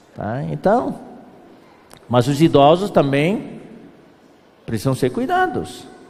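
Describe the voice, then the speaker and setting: A man at a very slow pace, with very wide pitch swings. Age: 60s. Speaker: pastor. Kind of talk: sermon.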